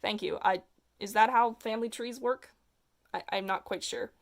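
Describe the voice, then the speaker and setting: Young vlogger with a feminine voice, comedic reading of their own childhood story, self-mocking, big outbursts. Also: female voice, on the high side, steady tone, normal speed.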